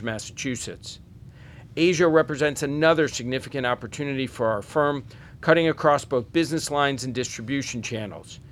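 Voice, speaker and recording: Guy exec reading scripted earnings call stuff, formal and measured, average pitch, bit of rumbly background noise. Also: a bit bright. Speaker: company executive presenting on an earnings call. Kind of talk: scripted corporate presentation.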